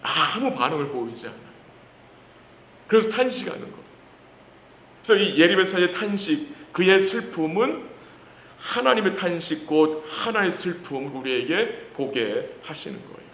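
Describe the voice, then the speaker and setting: In a roomy church hall with faint background noise, a male pastor delivers a midweek sermon in a high, fairly bright voice with big pitch swings. He asks the congregation rhetorical questions, then answers them, and reads scripture with slow deliberation in the sanctuary.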